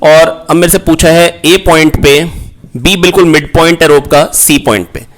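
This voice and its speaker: Male physics tutor, somewhat high voice, repetitive and coaxing, full of questions to the class. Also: steady tone, moderate pace. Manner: coaxing, repeats key points, calls students "beta"; asks rhetorical questions, prompts answers. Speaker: physics teacher. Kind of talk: online exam-prep lecture.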